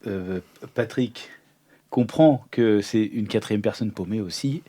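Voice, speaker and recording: A man's voice: lowish voice, takes it slowly, dark tone. A man playing a tabletop role-play, casually and hesitantly narrating what his character does.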